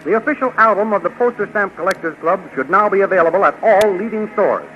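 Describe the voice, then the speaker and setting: High-voiced 1930s radio announcer. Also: male voice, fast, faint music behind. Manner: bright, promotional. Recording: dull 1930s radio recording.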